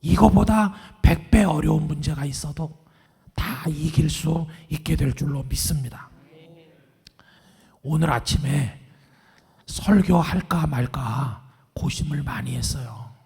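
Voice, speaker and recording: A middle-aged male pastor preaching a sermon in a hoarse, raspy, half-whispered voice after vocal cord surgery, calm and earnest. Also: a little high, unhurried, pauses often. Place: large church sanctuary. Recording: long church hall reverb.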